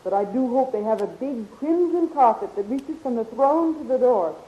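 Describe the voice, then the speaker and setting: An actress playing a devoted young heroine in a 1930s radio serial, chatty, sweet and gently teasing. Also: female voice, on the high side, expressive, moderate pace, close to an everyday voice. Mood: playful. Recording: muffled, hissy 1930s radio recording.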